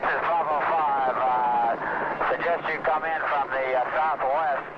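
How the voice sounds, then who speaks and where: A man speaking over a field radio as a ground unit's operator, using halting radio procedure and signing off with "over". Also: fairly high pitch, fairly even intonation. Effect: heard over a field radio. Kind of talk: military radio exchange. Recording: muffled archival radio recording with loud noise.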